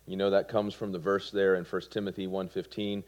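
Deep-voiced Southern man giving testimony. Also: level tone, fairly quick. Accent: Southern American. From Georgia, US. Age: 40s. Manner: earnest, with fillers and soft laughs. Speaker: preacher. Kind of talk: testimony sermon.

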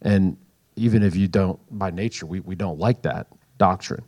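Deep-voiced man commenting in a group. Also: mellow. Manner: halting, repeats words as he thinks. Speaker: participant in the group.

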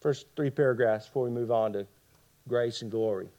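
A man teaching a Bible study to a group, talking fast and often checking in with his listeners. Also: medium pitch, mellow, highs cut off.

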